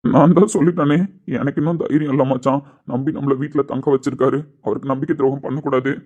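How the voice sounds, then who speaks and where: A man playing Sanjay, a brash, gruff young man who hides his love, in a web drama. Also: mid-range voice, fairly even intonation, fast, darkish tone, close to an everyday voice. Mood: earnest. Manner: gruff, blunt, hot-tempered. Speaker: actor in a web series. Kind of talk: dramatic dialogue. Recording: dull lo-fi recording.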